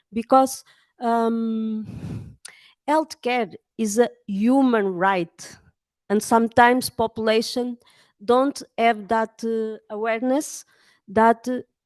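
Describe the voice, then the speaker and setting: A woman with a Portuguese accent speaks at a very slow pace and a fairly high pitch. Her intonation is fairly even, and the sound is dry and close with no echo. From Portugal. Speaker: journalist and editor. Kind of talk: conference talk. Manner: halting, many fillers.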